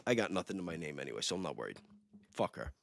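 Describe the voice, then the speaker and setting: A man chatting casually on a livestream as a video creator, excitable, blunt and profane, often repeating himself for emphasis. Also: deep voice, very fast, gravelly, no room sound. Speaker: online video creator on a panel.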